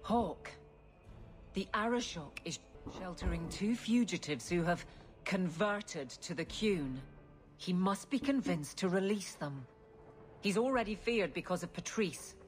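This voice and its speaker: Stern, lower-voiced guard captain. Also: female voice, lively intonation, measured pace, soft background music. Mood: earnest, firm. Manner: firm, scolding, formal. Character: stern, dutiful, no-nonsense female guard captain. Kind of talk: game dialogue acting.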